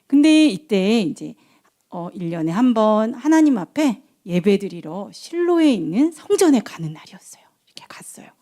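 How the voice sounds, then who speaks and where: A young woman preacher telling a Bible story to children in an animated way, asking them questions and acting out the voices. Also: medium pitch, moderate pace.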